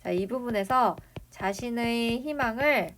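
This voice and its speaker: A woman's voice: on the high side, a little slow, a little hiss or hum. A woman teaching a literature lesson, explaining a novel and asking rhetorical questions. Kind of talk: classroom lecture on a novel.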